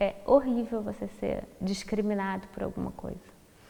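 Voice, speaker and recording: A woman with a Brazilian accent and fairly even intonation. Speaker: writer and researcher. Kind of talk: interview.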